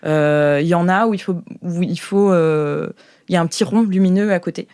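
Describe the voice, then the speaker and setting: Casual tabletop game master, mid-pitched, improvising and hesitant, dry sound. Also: brisk, darkish tone, clean tone, no room sound. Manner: hesitant, searching for words. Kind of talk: improvised tabletop role-play narration, casual chat.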